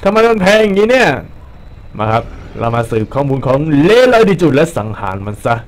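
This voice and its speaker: A young man giving casual, joking commentary over his gameplay, excitable and swearing at enemies. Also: on the high side, fairly quick. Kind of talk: casual Let's Play commentary.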